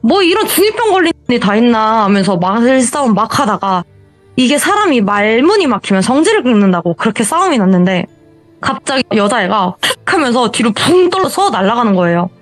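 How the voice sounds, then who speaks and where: A woman's voice: a little high, sing-song, fairly quick, no room sound, faint music behind. A woman telling a true horror story in a conversational, wry way.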